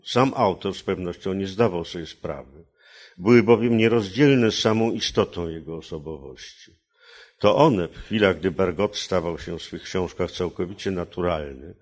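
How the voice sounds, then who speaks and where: A man, a literary translator, reading his own translation aloud in a measured, careful way and commenting on it. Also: sits low.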